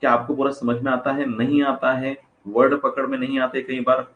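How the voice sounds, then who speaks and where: A man's voice: mid-range voice, level tone, a little fast, phone-quality sound. A male teacher giving a classroom lecture, switching between Hindi and English, repeating phrases and putting questions to his students. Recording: echoey room, faint background noise.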